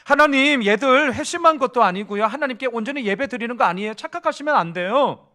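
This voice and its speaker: A man's voice: extremely high pitch, lively intonation, quick pace, sharp tone, pitched above the performer's own voice, exaggerated voice. A pastor voicing an indignant male prophet who argues and complains to God in a whiny, petulant way, recorded in a church.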